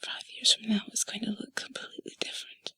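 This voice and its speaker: A woman doing an intimate whispered role-play in a soft, breathy, sultry and soothing voice, speaking slowly and deliberately, close to the mic. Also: fairly high pitch, huge pitch swings, no echo. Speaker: intimate audio narrator. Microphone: close mic, dry.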